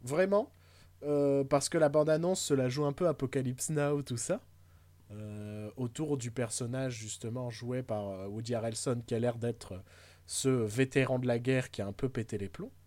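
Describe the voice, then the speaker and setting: Male podcast co-host, mid-pitched, rambling and hesitant film chatter, dry close sound. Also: moderate pace, a little mellow, dry recording. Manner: rambling, hesitant, with frequent fillers and jokes. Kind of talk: casual film chat.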